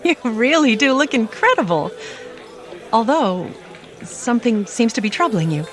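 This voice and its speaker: Caring, composed superheroine mentor. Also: female voice, on the high side, big pitch swings, moderate pace. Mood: concerned. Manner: concerned, reassuring. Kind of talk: audio drama acting. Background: music.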